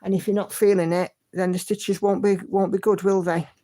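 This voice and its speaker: A woman's voice: medium pitch, flat delivery, fairly quick, warm tone. A woman hosting a livestream, chatty and encouraging as she reads out viewer comments and hums to herself. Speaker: livestream host. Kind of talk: casual chat reading viewer comments.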